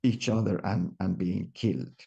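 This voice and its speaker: An older man speaks slowly and haltingly, with a gravelly, dark, fairly low voice, full of fillers and restarts. He talks as a scholar of indigenous law giving reflective answers in an interview. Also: fairly even intonation, dull audio.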